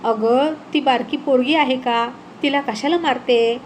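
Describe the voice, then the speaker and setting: An old village woman cries out, scolding and pleading in a spoken storybook, as a woman narrator puts her on. Her voice is high and loud with urgency. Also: a little slow, a little hiss or hum. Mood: alarmed. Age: older. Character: old village woman, alarmed mother-in-law.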